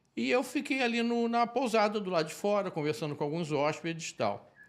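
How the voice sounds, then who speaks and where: This man's high voice swings very widely in pitch while holding a moderate pace. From Brazil, Rio de Janeiro. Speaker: former TV producer. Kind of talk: podcast interview, telling anecdotes.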